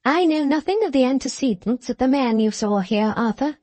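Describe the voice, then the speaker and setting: A woman voicing a stern, unyielding older mother, a widow in a wheelchair, who speaks in a slow, measured way. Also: high-pitched, lively intonation, a little mellow, dry recording, voice pushed up.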